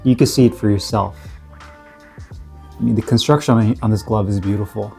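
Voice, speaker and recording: A man with a cold, sniffling a bit, reviewing gear in a relaxed, rambling way full of fillers and restarts. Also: lowish voice, fairly quick, gravelly, soft background music. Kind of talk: casual product review.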